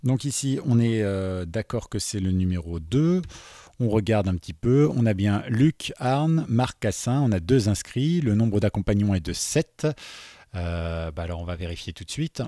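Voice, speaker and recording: A man's voice: fairly low pitch, lively intonation, normal speed, mellow, no echo, clean studio sound. A man teaching beginners to code, thinking aloud as he types and often checking in with "d'accord?". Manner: chatty, thinks aloud while typing, frequent "d'accord?". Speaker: coding instructor. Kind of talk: screen-recorded coding tutorial.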